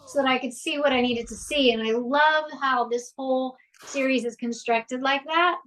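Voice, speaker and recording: Woman, Houston accent, high voice, chatty interview guest who rambles. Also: normal speed, a bit bright, poor audio. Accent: Houston, Texas. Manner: chatty, rambling with fillers and restarts. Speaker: voice actress, podcast guest. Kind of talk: casual interview chat.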